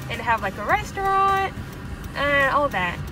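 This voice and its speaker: Over clear background music, a woman talks at a moderate pace in a dry sound with no echo. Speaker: college student vlogger. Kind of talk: casual vlog chat. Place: car. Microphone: phone near.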